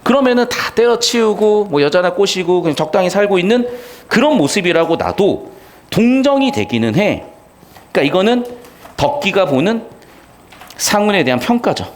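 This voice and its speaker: A man's voice: high-pitched, very animated, moderate pace, slight background noise. A man in his thirties, a literature teacher giving a casual, chatty lecture with slangy asides.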